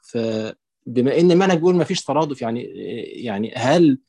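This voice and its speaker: A man with an Egyptian accent calling in to an online lecture, setting out his view slowly through many fillers and restarts. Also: medium pitch, expressive, dark tone, no room sound. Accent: Egyptian Arabic. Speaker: caller. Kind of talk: call-in question on an online lecture.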